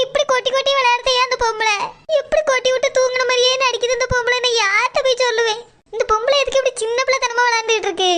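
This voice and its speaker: An aggrieved, mischievous cartoon woman with an extremely high, piercing voice. She complains at a quick clip, whining. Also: pushed and bright. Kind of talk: cartoon dub dialogue.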